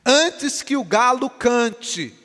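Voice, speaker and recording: A man preaching voices a calm, grave male teacher speaking a slow, gentle warning to his followers. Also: very high voice, pitched above the performer's own voice, full character voice. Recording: long church reverb.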